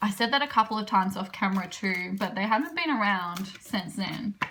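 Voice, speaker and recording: Lively intonation from a woman with an Australian accent at a moderate pace, over noticeable background noise. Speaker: tarot reader. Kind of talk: tarot reading to camera. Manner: animated.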